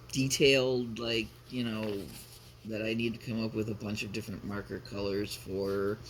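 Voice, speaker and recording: A man's voice: mid-range voice, bright, forceful tone. A man vlogging casually, chatting and reading aloud in a rambling, self-interrupting way. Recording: clear background noise, ambient sound.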